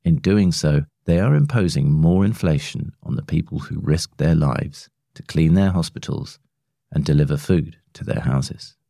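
A man reads a long-form article as a scripted narrator. His voice is deep, with a creaky edge and a bright, forward tone, recorded close and dry. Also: lively intonation, normal speed, no room sound. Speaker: narrator of a magazine long read.

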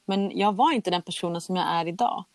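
Acting out the exchanges she recalls, a young adult guest recounts her own story with candid, chatty energy. She speaks in a lowish voice, captured in a dry recording.

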